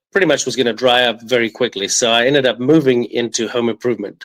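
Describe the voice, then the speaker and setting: Someone with a South African accent speaks at a fairly quick pace with fairly even intonation. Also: man. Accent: South African accent, noticeable. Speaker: home improvement business owner. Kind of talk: podcast interview. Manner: hesitant, with fillers and repetitions.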